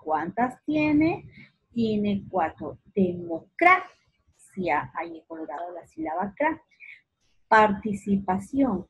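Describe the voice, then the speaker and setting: A woman teaching a remote lesson to young children, slowly stretching out words syllable by syllable and speaking affectionately to the child. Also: medium pitch, very animated, a little mellow, husky, highs cut off. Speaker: primary school teacher.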